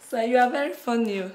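A woman's voice: on the high side, darkish tone, lightly acted. A woman with a Nigerian accent playing a young, deferential service worker who is eager to please, in a TV drama. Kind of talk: TV drama acting. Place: small bare office indoors.

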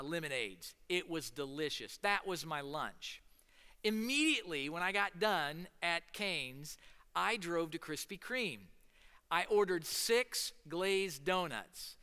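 A Midwestern-accented man in his thirties preaches a relaxed, anecdotal sermon from a church stage into a headset mic. His voice is bright, crisp and a touch high. A long hall reverb trails his words. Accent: Midwestern American. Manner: storytelling, animated with hand gestures, seated on a stool. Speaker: pastor. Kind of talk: casual conversational sermon. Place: church stage in front of a large screen.

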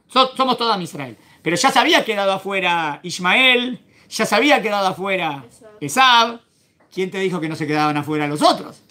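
A man's voice: high voice, pushed and bright. A man teaching a Torah class as a rabbi, quizzing his students and acting out the verses. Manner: questions the class and acts out the verses.

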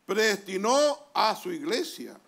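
A man with a Chilean accent, a pastor preaching a sermon in a church hall, pausing often and calling for amens. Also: sits high, sing-song, creaky, fairly bright tone. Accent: Chilean Spanish. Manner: deliberate preaching with pauses, calls of amen. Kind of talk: sermon reading from a translated message.

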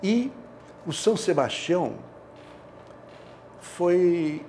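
A man's voice: sits high, expressive, drawn-out words, a little mellow, a little hiss or hum. A man in his seventies with a Rio de Janeiro Brazilian accent, telling anecdotes casually and repeating himself. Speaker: interview guest, theatre director. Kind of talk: casual anecdotal interview talk. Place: indoor studio, seated. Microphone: lapel.

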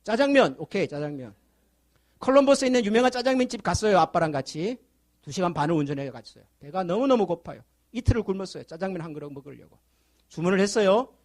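A man's voice: high-pitched, big pitch swings, quick pace. A male pastor preaching a sermon, telling a story to the children with questions to the congregation, then building to fervent appeals. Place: church sanctuary.

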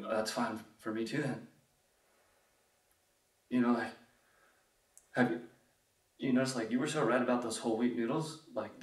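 A man playing an awkward mattress salesman who mumbles quietly and hesitantly. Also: mid-range voice, recorded from a distance, pitched below the performer's own voice, close to an everyday voice. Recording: echoey, from off-mic.

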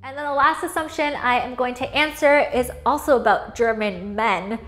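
A woman's voice: on the high side, moderate pace, fairly bright tone, faint music behind. A young woman vlogging from her living room, chatting casually with frequent laughs and fillers. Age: young adult. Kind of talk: casual talking-head vlog.

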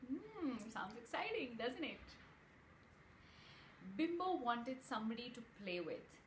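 A young adult woman reading a children's story aloud expressively, with asides and questions to young listeners. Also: on the high side. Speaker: children's story reader and host. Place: small home room, indoors. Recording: roomy echo with audible background noise.

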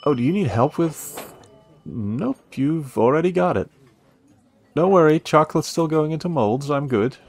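A man's voice: fairly high pitch, expressive, moderate pace, a little mellow, a little hiss or hum. A man acting as an earnest, protective young café trainee in an audio roleplay, casual and a little hesitant. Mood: curious, amused. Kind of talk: intimate first-person audio roleplay.

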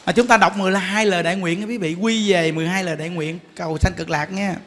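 High, bright-voiced Southern Vietnamese monk. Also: male voice, fairly even intonation, quick pace, a little hiss or hum. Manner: folksy, repeats rhetorical questions to the audience. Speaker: Buddhist monk preaching. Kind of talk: sermon to lay followers. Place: temple hall.

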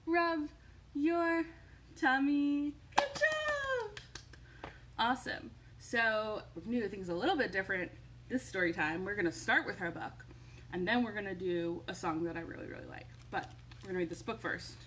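A woman hosting a storytime for small children, reading and chatting in an expressive, sing-song manner, recorded indoors at home. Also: mid-range voice, moderate pace. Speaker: children's librarian, storytime host. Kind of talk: children's storytime read-aloud and chat. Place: indoors, home living room. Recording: home recording with faint background noise.

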